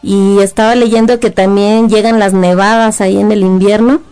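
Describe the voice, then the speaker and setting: A woman's voice: mid-range voice, level tone, moderate pace, dark tone, clean tone, soft background music. A woman interviewing a guest as a Christian radio host.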